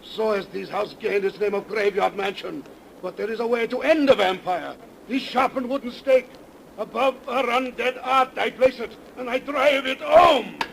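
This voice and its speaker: Gravelly, grim vampire-hunting doctor. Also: male voice, extremely high pitch, moderate pace. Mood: grimly triumphant. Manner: solemn, theatrical declaiming. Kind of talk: 1930s radio melodrama acting. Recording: hissy 1930s radio recording.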